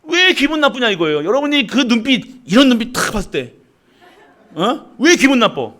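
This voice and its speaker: A male pastor preaching a sermon, swinging between loud emphasis and quiet asides and often questioning the congregation. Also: very high voice, very animated, moderate pace.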